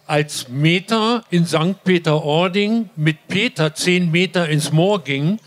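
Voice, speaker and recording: An older man, a grandfather, reading his limericks aloud in a slow, deliberate way. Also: a little high. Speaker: limerick reader.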